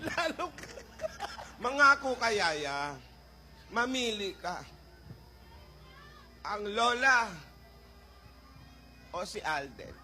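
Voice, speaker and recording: A high, squeaky old grandmother who scolds, wails and complains with theatrical cries, as a man acts her out. She drags her lines out slowly over music playing behind. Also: sing-song, bright, forceful tone, heavily acted. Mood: complaining. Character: melodramatic fussy old grandmother, jealous and complaining. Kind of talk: live comedy sketch.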